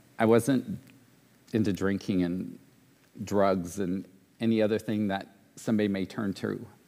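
In a very clean recording with a silent background, a man with an American accent speaks at a moderate pace in a fairly low, dark, mellow voice, his intonation fairly even and broken by long, frequent pauses. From US Pacific Northwest, eastern Washington. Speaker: church treasurer. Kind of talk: testimony.

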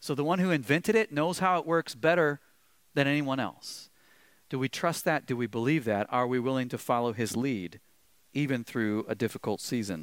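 With lively intonation and a medium pitch, a man speaks at a moderate pace in a very clean recording with a silent background. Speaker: pastor. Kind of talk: sermon. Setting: church. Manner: loud.

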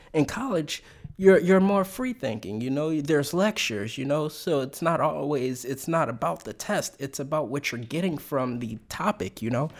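On a very clean recording with a silent background, a man with an American accent talks at a moderate pace, his fairly high pitch carried by lively intonation. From Philadelphia, US East Coast. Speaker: podcast guest. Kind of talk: casual conversation. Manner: animated.

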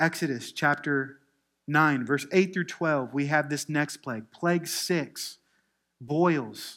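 Delivered at a very slow pace, the voice has a bright, sharp tone and fairly even intonation, with a slight Southern US accent. The recording is very clean, with a silent background. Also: man, fairly high pitch for a man. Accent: slight Southern US on some words. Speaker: pastor. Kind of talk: sermon. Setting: church.

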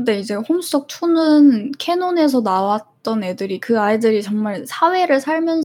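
High pitch and lively intonation in a woman's voice. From South Korea. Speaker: webcomic fan community organizer. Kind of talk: casual chat.

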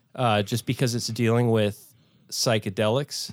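An ordinary speaking voice from a man at medium pitch, on a very clean recording with a silent background. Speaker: guest. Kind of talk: casual chat.

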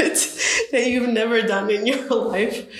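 A woman with a Croatian accent speaks at a fairly slow pace with fairly even intonation, amid noticeable background noise and audible room echo. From Croatia (Zagreb). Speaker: neuroscientist, lab head. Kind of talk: interview.

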